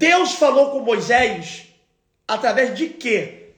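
An extremely high-pitched man's voice, animated in tone with lively intonation, amid audible room echo. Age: 30s. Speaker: pastor. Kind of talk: sermon. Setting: live stream on social media.

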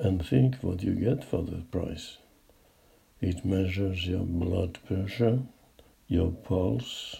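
Speaking at a very slow pace with long, frequent pauses, a man uses a very deep, low pitch, a dark, mellow tone and vocal fry. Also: ordinary pitch variation. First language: Finnish. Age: old. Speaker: video blogger. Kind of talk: storytelling monologue.

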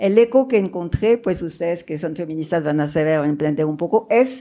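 Heard on a very clean recording with a silent background, a woman with a French accent speaks at a moderate pace in a dark, mellow tone, her fairly low pitch showing ordinary variation. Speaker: columnist and feminist activist. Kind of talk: panel discussion before live audience. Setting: stage with audience.

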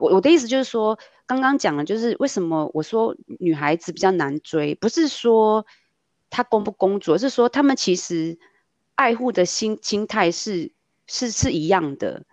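A woman's fairly high voice at a moderate pace, with very wide pitch swings, dry close sound with no echo, and a quiet background. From Taiwan. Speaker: guest sharing life experience. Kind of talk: casual chat. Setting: remote recording. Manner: hesitant with many fillers.

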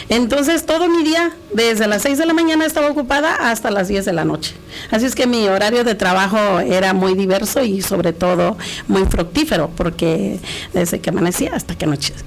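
A woman of medium pitch at a fairly quick pace, very even in loudness, with very wide pitch swings and noticeable background noise. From Oaxaca, Mixteca region, Mexico. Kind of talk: interview conversation.

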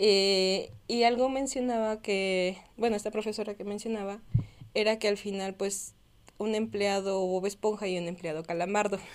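A woman with a central Mexican accent speaks at a moderate pace and medium pitch, her intonation fairly even, on a very clean recording with a silent background. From Mexico, Tlaxcala. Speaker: customer support team lead, electronics engineer. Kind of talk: interview.

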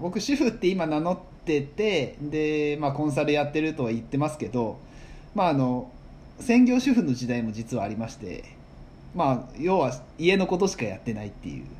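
A man with a fairly high pitch and a somewhat breathy voice speaks at a moderate pace with very wide pitch swings, and audible room echo surrounds him. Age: 30s. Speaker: podcast host, freelance work-style consultant and househusband. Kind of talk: casual chat.

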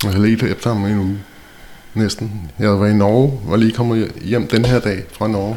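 A man speaks at a moderate pace in a fairly low pitch. His tone is dark and mellow, with fairly even intonation. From Denmark, Gentofte (Copenhagen area). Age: 50s. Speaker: company director. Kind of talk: personal testimony in interview.

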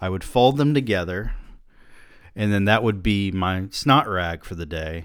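A man's very deep, low voice in a Southern US accent, ordinary pitch variation, moderate pace, on a very clean recording with a silent background. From US South. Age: 30s. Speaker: podcast host. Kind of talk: casual monologue.

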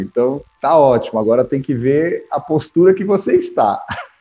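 With music playing behind him, a man speaks at a fairly high pitch. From São Paulo, Brazil. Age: 40s. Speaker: posture and ergonomics specialist. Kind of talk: podcast interview. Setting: headset, remote recording.

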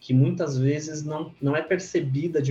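A man's voice comes across as somewhat breathy. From Brazil, interior of Santa Catarina. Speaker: CRM and customer insights manager. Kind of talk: podcast interview.

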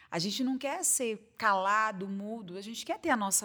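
Very clean with a silent background, the recording has a woman speaking at a moderate pace in a fairly high pitch, her tone bright and sharp and her pitch swinging very widely. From Brasília, Brazil (moved from Cuiabá at 11). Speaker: teacher and storyteller, author. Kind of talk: casual interview.

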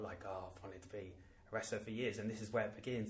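At a very fast pace, a somewhat breathy voice hurries on. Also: man. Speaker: pro wrestler. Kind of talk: casual chat. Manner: halting.

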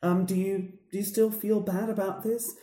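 With a dark, mellow tone and a somewhat breathy quality, this man talks at a moderate pace. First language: Spanish. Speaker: podcast co-host. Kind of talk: casual comedic banter. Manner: animated, joking.

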